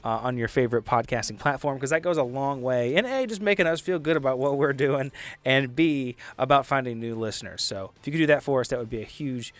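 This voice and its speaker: A man's voice: mid-range voice, fairly quick, dry recording. A man speaking casually as a podcast host, chatting to listeners and fellow players.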